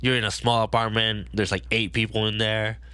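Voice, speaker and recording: A man's voice: on the low side, flat delivery, brisk, pushed and bright, clear, resonant tone, no echo. A man hosting a podcast, talking in a laid-back, casual way and agreeing often. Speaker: podcast host.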